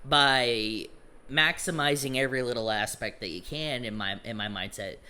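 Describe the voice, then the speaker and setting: Bright-voiced rambling young man. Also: mid-range voice, normal speed, clean tone. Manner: rambling, self-correcting, frank and profane. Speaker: meetup attendee introducing himself. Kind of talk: casual group talk.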